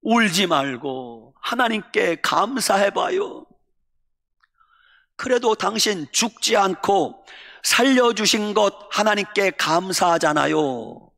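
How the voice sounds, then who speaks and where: A man's voice: expressive, slow pace, gravelly, a bit bright, heavily acted. A preacher voicing an exasperated middle-aged pastor's wife who shrilly scolds and nags her husband. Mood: coaxing. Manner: shrill, insistent, nagging. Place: church sanctuary. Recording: echoey church hall.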